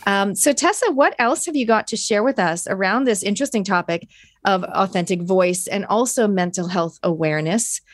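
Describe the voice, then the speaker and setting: A woman's voice: mid-range voice, moderate pace, no echo. Friendly woman radio host. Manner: friendly, inviting listeners to text in. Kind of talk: radio interview hosting.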